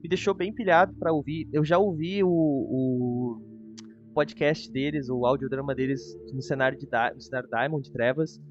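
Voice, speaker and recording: A man's voice: mid-range voice, moderate pace, lo-fi sound. A Brazilian man hosting a reaction show, giving an informal, hedging review in casual conversation. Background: music.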